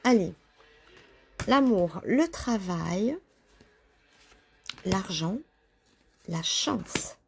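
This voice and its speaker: A woman's voice: medium pitch, animated, drawn-out words, creaky, long pauses, a little hiss or hum. A woman chatting casually as she lays out a tarot reading, talking to herself while she handles the cards. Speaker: tarot reader.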